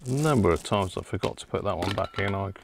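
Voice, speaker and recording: Male repair streamer, heavy vocal fry, muttered running commentary while working, noisy recording with clicks. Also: sits low, lively intonation, fast. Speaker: host of a live radio repair stream. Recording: clear background noise with clicks.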